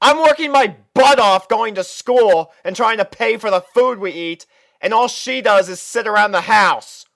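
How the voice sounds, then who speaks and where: A man giving an expressive, dramatic first-person reading of a story as an exasperated student. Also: high-pitched, dry recording. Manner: expressive, theatrical delivery with sighs. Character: exasperated young male student narrating his life with a roommate. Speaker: fan fiction reader.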